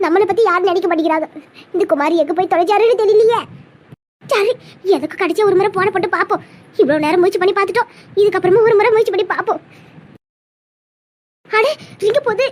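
A woman voicing an anxious, emotional young fiancée in a cartoon, with a fretful, pleading way of talking. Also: very high-pitched. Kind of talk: cartoon comedy voice acting.

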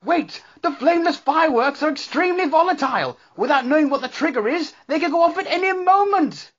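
Cartoon male pony scientist, played by a voice performer: eccentric, exclamatory, genteel, very animated pitch, somewhat muffled sound. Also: brisk. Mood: alarmed. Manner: theatrical, exclamatory, wordy and genteel. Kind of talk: character voice reel, theatrical cartoon acting.

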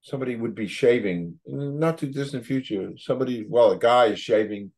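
A man's voice: medium pitch, fairly quick, darkish tone. An older man hosting a casual interview, rambling and emphatic, repeating words as he goes, on a video call from a home office. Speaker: show host.

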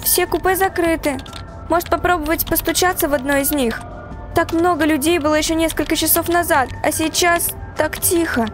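A woman's voice: very high voice, steady tone, brisk, faint music behind. A woman voicing a frightened, anxious young woman stranded on a train in a horror text-message story. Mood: fearful. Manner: anxious, breathless exclamations and pleas.

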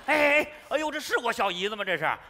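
An actor playing a boastful, cheeky son-in-law who teases his in-laws in loud exclamations. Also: extremely high pitch, big pitch swings, fast, full character voice. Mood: teasing. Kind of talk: sitcom acting before a live audience. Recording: roomy stage with loud audience laughter.

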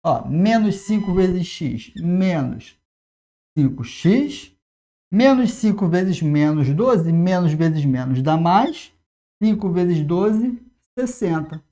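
A man in his forties with a Brazilian Portuguese accent, teaching math at a whiteboard. He talks energetically to the viewer and slows down to spell out each step as he writes. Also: high voice, warm tone. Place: classroom in front of a whiteboard. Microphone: lapel mic.

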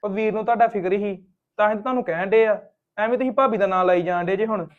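An actor playing a younger brother who soothes and calms his family. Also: high voice, rapid-fire, lightly acted. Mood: placating. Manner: soothing, peacemaking. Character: placating younger brother, young adult man. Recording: dull lo-fi recording.

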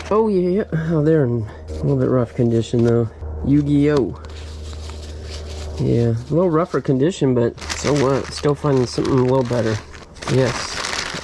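A middle-aged man talks his way through a storage locker in easy, casual commentary, breaking into excited whoops whenever something good turns up. His voice sits at an ordinary middle pitch, caught by a head-mounted camera with clear noise behind him. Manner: excited exclamations over finds. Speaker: storage unit reseller. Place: storage unit. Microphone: head-mounted action camera. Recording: noisy storage unit recording.

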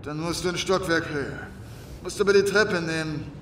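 An actor playing a bloodthirsty, mocking gang thug with a sneering, theatrical manner in an audio drama. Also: male voice, moderate pace, a bit bright, natural voice. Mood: mocking, sinister. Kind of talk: German audio drama acting. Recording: distant roomy echo, clear rumbling noise.

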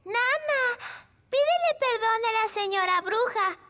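Tiny, very high bright fairy girl. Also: lively intonation, measured pace, exaggerated voice. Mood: polite. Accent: Latin American Spanish. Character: polite young fairy princess, little girl. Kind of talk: children's cartoon dubbing.

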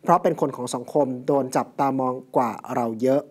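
A man hosting a morning news show, reading out a story and quoting people in a steady news delivery. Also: medium pitch, a little fast. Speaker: news program host.

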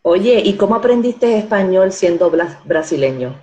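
A woman's voice: mid-range voice, animated, normal speed, warm tone. A woman hosting a live stream, asking questions and passing on viewers' comments over a phone video call. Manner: inquisitive, reads out viewer questions. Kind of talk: casual live-stream interview.

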